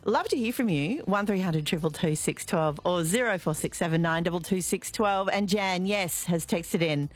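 A woman's voice: lowish voice, moderate pace, hardly any pauses. Chatty middle-aged Australian woman radio host. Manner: chatty, relaxed, with frequent "uh" fillers. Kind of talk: live radio talk. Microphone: studio microphone.

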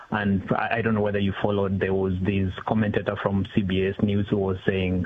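A man's voice: on the low side, husky, no room sound. A man speaking as a community council executive, a guest on a phone-in radio interview, earnest and searching for his words. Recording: tinny phone line with faint hiss.

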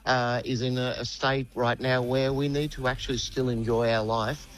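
A man's voice: medium pitch, little pitch movement, moderate pace, poor audio. A man, a rock band singer giving a casual radio interview, chatty and loose, with many fillers and restarts.

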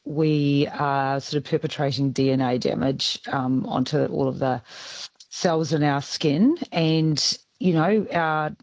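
A woman in her fifties from New Zealand, a dermatologist guest explaining things in a measured way with some ums. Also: sits low, a little mellow, no echo, muffled recording. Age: 50s. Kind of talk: radio interview.

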